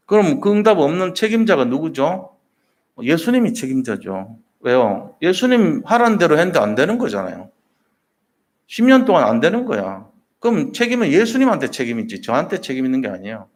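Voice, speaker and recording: A man's voice: fairly high pitch, sing-song, fairly quick. A man preaching a Sunday sermon as pastor, telling the story vividly and acting out the voices in quotes.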